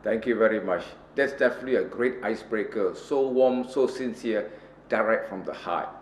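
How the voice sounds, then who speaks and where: A man's voice: fairly low pitch, normal speed, roomy sound, slight background noise. A Malaysian man hosting an interview with elaborate, ceremonious phrasing. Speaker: host.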